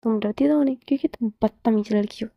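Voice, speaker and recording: A woman voicing a stern young female teacher in a storybook romance, scolding and sharp with her student. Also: a little high, quick pace, gravelly, no echo, dull audio.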